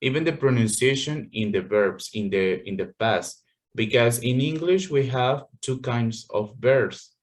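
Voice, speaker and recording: A man's voice: mid-range voice, measured pace. A man teaching an English class over a video call, patient and full of fillers, checking in with "okay" often.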